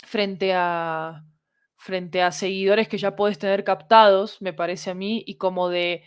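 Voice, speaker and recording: A woman's voice: mid-range voice, fairly even intonation, unhurried, clean tone, dry recording, clean studio sound. A woman, speaking as an interview guest and explaining ideas articulately, point by point. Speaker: interview guest, audio fiction creator.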